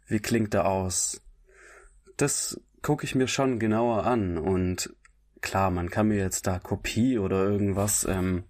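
A man who sings, with a raspy, smoky voice, talking in a relaxed interview and often correcting himself with small laughs. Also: on the low side. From grew up bilingual German-Italian. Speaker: singer, interview guest.

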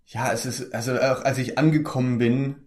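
A man's voice: medium pitch, fairly even intonation, normal speed, a little mellow. A young man, an actor from the Palatinate in Germany, chatting casually in an interview, easygoing and full of hesitant fillers and restarts.

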